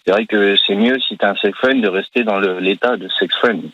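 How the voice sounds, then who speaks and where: A young man in his twenties from France calls in to a radio show. His slightly low voice comes through a muffled phone line, dry and close, and he talks in an easygoing, hesitant way full of fillers. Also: steady tone, fairly quick, no room sound. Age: 20s. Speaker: caller. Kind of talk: casual phone-in chat.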